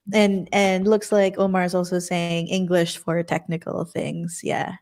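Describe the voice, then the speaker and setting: Relaxed woman host, native Tagalog speaker. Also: fairly low pitch, takes it slowly. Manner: relaxed, laughs often, reads viewer comments. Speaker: podcast host. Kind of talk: casual interview chat.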